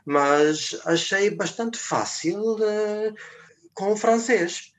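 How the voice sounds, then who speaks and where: An older man, a journalist guest in a radio interview, who talks deliberately and pauses often to search for words. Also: high-pitched, slight background noise. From Germany. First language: German.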